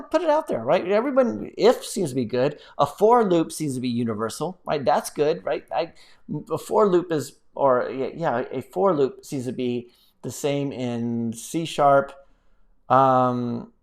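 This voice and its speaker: A man hosting a casual live stream, chatting in a rambling, playful, animated way as he reads out and answers viewer comments. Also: medium pitch, unhurried. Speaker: live-stream host, app developer.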